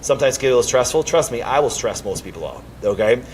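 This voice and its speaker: Over noticeable background noise, a man talks at a very fast pace with an animated tone. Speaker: chiropractor. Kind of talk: health lecture.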